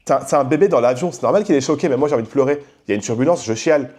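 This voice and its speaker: A young man hosting a podcast, talking loudly in a casual, slangy rant and acting out the people he quotes. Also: mid-range voice, very fast. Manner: talks loudly. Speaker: podcast host. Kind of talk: casual ranting monologue.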